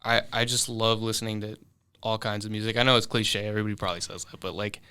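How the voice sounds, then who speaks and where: Young man with a bright, clear voice. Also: on the low side, quick pace. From London. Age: 20s. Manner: relaxed, hesitant, many fillers and restarts. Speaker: guest musician. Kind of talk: casual interview answers. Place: studio.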